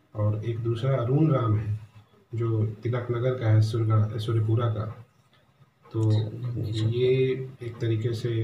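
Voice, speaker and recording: Amid audible room echo and light background noise, a man talks at a very slow pace with long, frequent pauses and monotone, flat intonation. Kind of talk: press briefing answer. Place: office.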